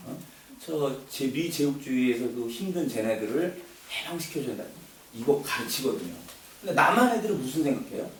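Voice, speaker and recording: A man's voice: mid-range voice, big pitch swings, a little fast. A man giving a casual lecture to an audience, talking conversationally with frequent fillers and repeated words. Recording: very echoey room, distant mic, faint noise.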